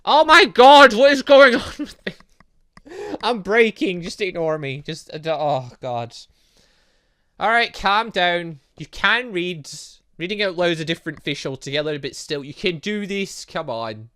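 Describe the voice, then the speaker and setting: A game playthrough host reading aloud and commenting in a rambling, excitable, self-interrupting way. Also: medium pitch, measured pace, clear, resonant tone. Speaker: gaming video host.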